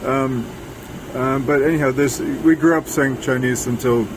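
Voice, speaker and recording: A man interviewing casually in a halting, rambling, digressive way. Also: steady tone. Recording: noisy, air conditioning and traffic rumble.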